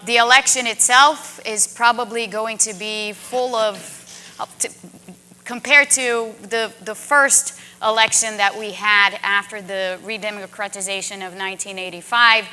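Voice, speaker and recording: A woman moderating a conference panel, giving measured remarks and thinking aloud with restarts. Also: medium pitch, pushed and bright.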